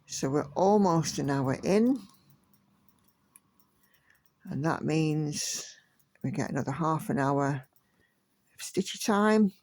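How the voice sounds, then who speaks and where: Slow, gravelly-voiced woman chatting. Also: low voice. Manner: slow, gentle, relaxed chatter. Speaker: cross-stitch vlogger. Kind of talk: casual chat while stitching.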